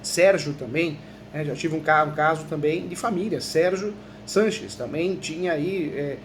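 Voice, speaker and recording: A Brazilian man, a law professor, giving a conversational video lesson and often tagging his sentences with quick questions to the viewer. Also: fairly high pitch, slight background noise. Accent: Brazilian Portuguese. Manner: chatty, peppers talk with tag questions.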